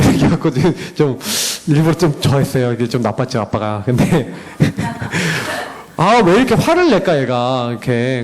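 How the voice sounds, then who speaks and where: Lively storytelling man in his thirties. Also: on the high side, rough recording. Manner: animated storytelling, acting out dialogue with his children. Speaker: parent speaking at a church education session. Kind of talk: presentation with slides.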